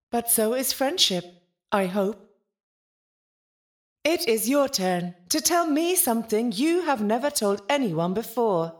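A woman playing a polite, lonely, literal-minded nonhuman intelligence in an audio drama, speaking formally and precisely. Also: a little high. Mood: friendly, curious. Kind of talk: audio fiction podcast acting.

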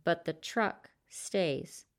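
A woman's voice: on the low side, very slow. A woman voicing a laid-back, large young man guarding a bridge, talking in a casual drawl. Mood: calm, firm. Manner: casual, drawling "dude" talk.

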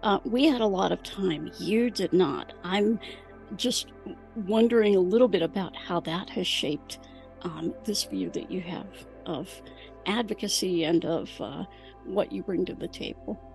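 Gravelly-voiced woman hosting an interview. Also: fairly low pitch, unhurried, darkish tone, faint music behind, poor audio. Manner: thoughtful, probing questions with fillers. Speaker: podcast host. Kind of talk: conversational interview.

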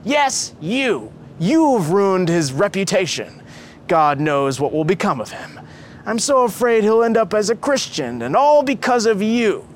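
A man's voice: high voice, lively intonation, normal speed, a little hiss or hum, voice pushed up. A man voicing a fierce, anguished mother of a young man, accusing and lamenting, in a story reading. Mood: angry accusing.

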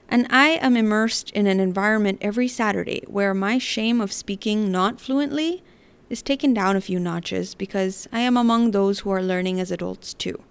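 Measured woman with a light Chamorro accent. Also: medium pitch. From Northern Mariana Islands. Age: 30s. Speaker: podcast host. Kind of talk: scripted personal narration.

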